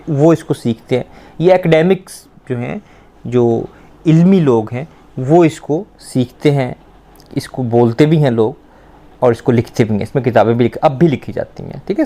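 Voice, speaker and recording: A man's voice: mid-range voice, warm tone. Patient male teacher explaining a lesson. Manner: patient, explains step by step, repeats words slowly, quizzes the student. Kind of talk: classroom language lesson.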